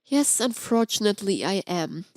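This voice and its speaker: A sarcastic young college man, played by a woman narrator, sullen and quick to irritation. The delivery is dry and sardonic, in a close, echo-free audiobook recording of fan fiction. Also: mid-range voice, expressive, lightly acted. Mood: irritated.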